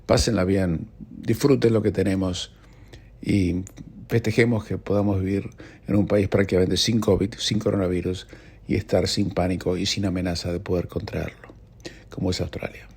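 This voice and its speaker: A man's voice: low-pitched, fairly even intonation, normal speed, a little mellow, slightly rough. A man with an Argentine accent hosting a radio news show, chatting casually with wry, ironic asides. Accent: Argentine Spanish. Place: radio studio.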